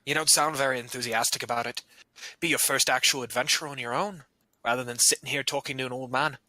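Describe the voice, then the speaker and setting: Man doing an old centaur ranger, strict but fair, rambling, very bright, dry. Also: mid-range voice, steady tone, fast talker, no room sound. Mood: easygoing.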